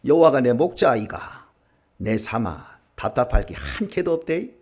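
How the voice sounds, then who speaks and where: A man preaching a Sunday sermon as pastor, reading a psalm aloud in regional dialects with lively, rising energy. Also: a little slow, husky. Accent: Gyeongsang Korean, put on for a reading. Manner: lively, raises pitch and volume when reading dialect. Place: church sanctuary.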